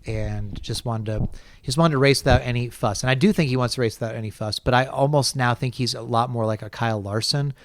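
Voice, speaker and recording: A man's voice: medium pitch, no echo. Man thinking aloud in a dry room. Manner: rambling, thinks aloud with many restarts. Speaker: podcast host. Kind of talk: casual conversation.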